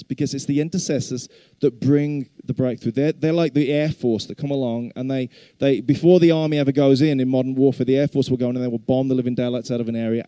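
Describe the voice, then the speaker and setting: A man's voice: medium pitch, mellow, dry recording. A middle-aged man with a Black Country accent gives an informal sermon in a chatty, self-deprecating way. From English Black Country. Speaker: guest preacher and worship leader.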